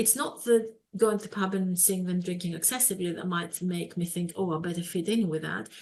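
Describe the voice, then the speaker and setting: The speaker has a Greek accent and a somewhat breathy voice with ordinary pitch variation. Room echo is audible. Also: woman. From Greece. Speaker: psychology professor. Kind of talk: webinar lecture.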